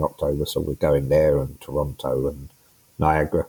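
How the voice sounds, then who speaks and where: At a moderate pace, a man with a South London accent speaks at a very deep, low pitch with vocal fry. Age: 60s. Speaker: retired business executive. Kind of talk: podcast interview. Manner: halting, many repeated words.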